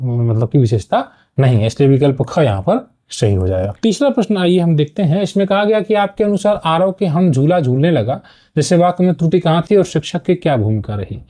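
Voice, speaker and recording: A man's voice: fairly high pitch, warm tone. A man teaching an exam-prep lesson, explaining step by step and often checking in with "okay". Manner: explanatory, frequent "ठीक है" checks.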